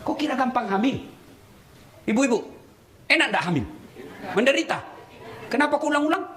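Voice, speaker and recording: A man's voice: very high-pitched, normal speed. A man preaching a sermon, joking with the crowd and firing rhetorical questions. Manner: animated, teasing, joking with the audience, rhetorical questions. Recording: echoey hall with background noise.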